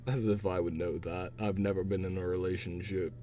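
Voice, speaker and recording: Hoarse young man with a raspy voice. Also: low voice, flat delivery, moderate pace, mellow, a little hiss or hum. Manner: chatty, rambling, laughs to himself. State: hoarse, voice partly gone. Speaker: streamer. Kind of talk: casual chat while taking online quizzes.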